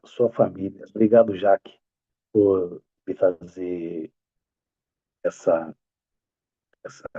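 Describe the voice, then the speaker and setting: A man with a Brazilian accent, a pastor praying softly and then speaking to his congregation about his books over a video call. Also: fairly low pitch, breathy edge, no room sound, muffled recording. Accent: Brazilian Portuguese. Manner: fervent soft-spoken prayer, then upbeat warm greeting. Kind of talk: prayer and sermon talk.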